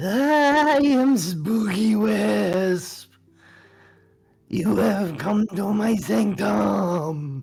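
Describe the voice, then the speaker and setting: The speaker uses a put-on character voice, pitched in the middle range and paced very slowly. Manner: spooky, mysterious.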